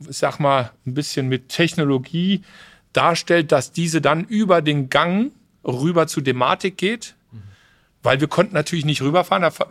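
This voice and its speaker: Male guest, trade fair podcast, explanatory and businesslike, mid-pitched voice. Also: fairly bright tone. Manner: explanatory, businesslike, many restarts. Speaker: logistics company representative, guest.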